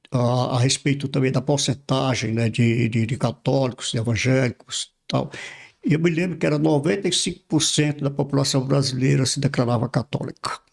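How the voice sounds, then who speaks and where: A man's voice: medium pitch, moderate pace, gravelly, breathy edge. An older man from Brazil, a pastor, telling his life story in a casual interview and repeating words as he recalls things. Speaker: pastor, podcast guest.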